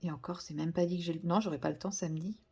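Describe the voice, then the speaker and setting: A woman's voice: on the low side, fairly even intonation, racing, a little mellow, breathy edge. A woman chatting casually to viewers while she colours, rambling and correcting herself as she goes. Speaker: vlogger.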